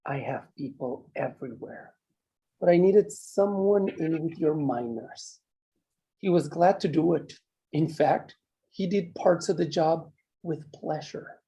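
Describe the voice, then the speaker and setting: A man's voice: a little high, mellow, low-quality recording. Man acting a coolly cruel, controlling boss. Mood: smug, cruel. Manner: measured, condescending threats. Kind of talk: dramatic table read of a screenplay.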